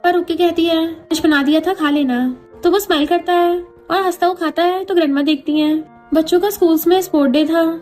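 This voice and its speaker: High-voiced woman retelling a drama. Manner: lively, voices every character in the same voice. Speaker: drama recap narrator. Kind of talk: casual storytelling recap.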